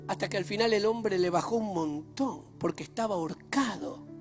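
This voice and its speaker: High-voiced emphatic male preacher. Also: normal speed, gravelly, faint music behind. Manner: emphatic, swings between loud and hushed. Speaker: pastor. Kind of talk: sermon. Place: church.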